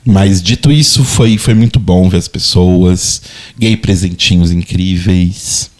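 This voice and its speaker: A man's voice: deep voice, a little slow, a little mellow. Hesitant Brazilian man in his thirties. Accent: Brazilian Portuguese. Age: 30s. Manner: reflective, hesitant, repeats words while searching for them. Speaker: podcast co-host. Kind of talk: casual chat.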